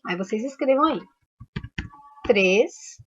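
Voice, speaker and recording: Brazilian teacher lady explaining slowly, keeps asking tá?, kinda dull lo-fi audio. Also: fairly high pitch, lively intonation, fairly bright tone, slightly rough. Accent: Brazilian Portuguese. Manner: patient, explaining step by step with frequent checks like "tá?". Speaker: primary school teacher. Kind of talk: recorded class lesson.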